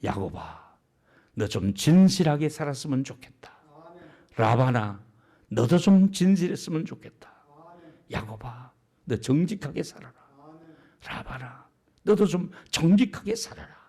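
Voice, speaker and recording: A preacher putting on the voice of God, a fatherly figure who rebukes two quarrelling men in blunt, homely speech. The voice is fairly high for a man and plainly spoken. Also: animated, a little slow, long pauses, husky. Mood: admonishing. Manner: blunt scolding, then gentle admonishing.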